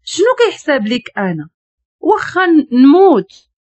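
A woman's voice: a little high, wildly swooping pitch, fast, mellow, husky, dry recording, highs cut off, exaggerated voice. A woman doing a desperate, pleading young Moroccan woman. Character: desperate young woman caring for her sister.

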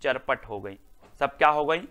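A man teaching an exam-prep class, asking questions and answering them himself, and reciting verse slowly. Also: medium pitch, animated, bright, forceful tone, clean tone.

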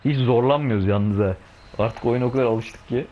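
A young man talks his way through a video game from his home, casual and full of slang. He banters with the on-screen monsters as if they were pals. His voice sits at an ordinary middle pitch for a man. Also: a little fast, dark tone, a little hiss or hum. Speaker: gaming video host. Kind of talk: casual let's-play commentary.

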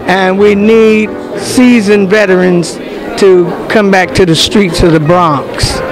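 An earnest man with a high voice talks slowly in a devout, preacherly way. He is being interviewed at a busy event, with music clearly heard behind him. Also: steady tone, rough recording. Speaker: reverend, gospel singer. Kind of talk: interview answers with preacherly blessings. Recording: music and crowd chatter behind.

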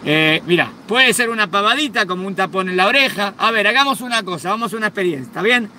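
A man's voice: high-pitched, lively intonation, fast, sharp tone, slight background noise, full character voice. A man voicing a patient family doctor, giving soothing instructions. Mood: calm.

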